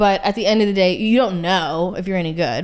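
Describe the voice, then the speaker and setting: Here a woman has an ordinary speaking voice at medium pitch. Her pitch variation is ordinary. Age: 30s. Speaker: actress. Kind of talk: casual chat.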